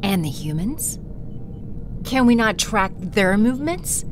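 A woman's voice: mid-range voice, big pitch swings, slow pace. A woman playing an imperious, scornful space villain ruler, speaking in a commanding, theatrical way. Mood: scheming, impatient. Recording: clear background noise.

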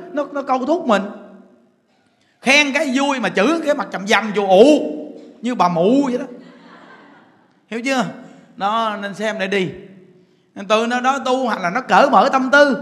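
A man with a Southern Vietnamese accent preaches a Buddhist sermon in a strikingly high voice. He peppers the crowd with rhetorical questions, chuckles, and stretches out words for emphasis. The sound rings with the long reverb of a temple hall. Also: a bit bright. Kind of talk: dharma talk.

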